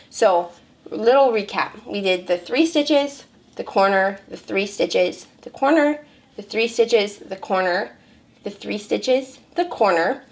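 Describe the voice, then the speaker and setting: Hoarse woman teaching a crochet pattern. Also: medium pitch. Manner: chatty, self-correcting, counts stitches aloud. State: hoarse and raspy from illness. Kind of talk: step-by-step crafting tutorial.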